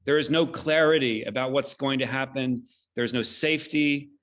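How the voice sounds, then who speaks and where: A man's voice: mid-range voice, fairly even intonation, normal speed, a bit bright. A man moderating a thoughtful discussion over a video call. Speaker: moderator and translator.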